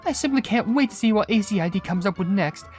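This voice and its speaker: A host puts on a refined cookie fashion designer from a mobile game. The voice is pitched far up, lofty and gushing, with music behind it. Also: expressive, quick pace, a little mellow, lightly acted. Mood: refined delight.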